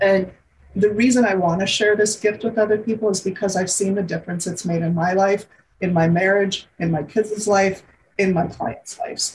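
Somewhat breathy woman at a medium pitch, moderate pace and fairly even intonation. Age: 50s. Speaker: feng shui and metaphysics teacher. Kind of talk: teaching talk to online group.

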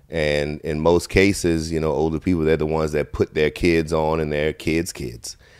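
A man with a South Louisiana accent speaks in a very deep, low, monotone voice, hardly pausing. The recording is very clean, with a silent background. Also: moderate pace. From South Louisiana (Acadiana). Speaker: nurse and business owner. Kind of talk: interview. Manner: laid-back.

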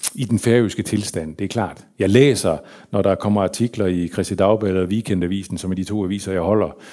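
A man has a dark, mellow tone. He moves through his words at a fairly quick pace. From Denmark. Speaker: pastor. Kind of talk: Bible lecture.

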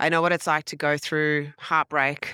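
A woman with an Australian accent, very deep and low in pitch, bright and sharp in tone, at a moderate pace, in a very clean, dry, close recording with a silent background and no echo. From Tahiti, then Australia. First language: French. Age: 30s. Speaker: wealth consultant and entrepreneur. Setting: face-to-face in an echoey hotel room. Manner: animated, energetic.

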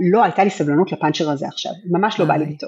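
A woman speaks with an English accent. Her pitch varies in an ordinary way. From English-speaking country. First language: English (speaking Hebrew). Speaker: art therapist and traveling mother. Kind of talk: casual interview.

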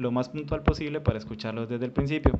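With a Colombian accent, a man speaks at a medium pitch with fairly even intonation. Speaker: listener sending a recorded message. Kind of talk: recorded listener message. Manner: halting, repeats words.

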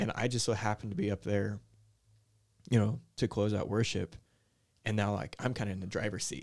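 Speaking at a fairly low pitch with fairly even intonation, a man leaves long, frequent pauses on a very clean recording with a silent background. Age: 20s. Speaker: pastor and young father. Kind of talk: casual chat. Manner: calm, even-keeled.

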